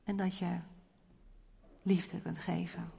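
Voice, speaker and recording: A woman preacher giving a reflective, personal sermon in a church, pausing now and then with hesitant fillers. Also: on the low side, flat delivery, gravelly, dark tone. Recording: long church reverb.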